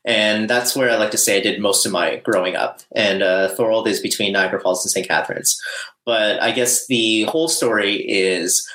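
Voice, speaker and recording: A man's voice: on the low side, steady tone, normal speed, sharp tone. A young man from Ontario, born in Bangladesh, speaking as a podcast guest in a thoughtful way, with many fillers and restarts. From Canada (Ontario), born in Bangladesh. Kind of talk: casual interview talk. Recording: echoey room.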